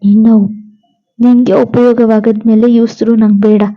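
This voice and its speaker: A woman voicing a grieving, devoted young husband who speaks in a soft, pleading way. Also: a little high, little pitch movement, normal speed, lo-fi sound, faint music behind, close to an everyday voice. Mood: tender grief.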